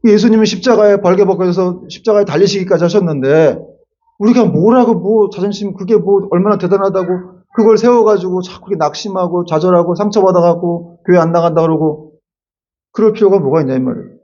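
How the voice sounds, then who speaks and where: Guy pastor preaching, kinda high voice, lively, acts out little quotes, bit dull sound. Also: brisk. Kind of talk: sermon. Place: church sanctuary.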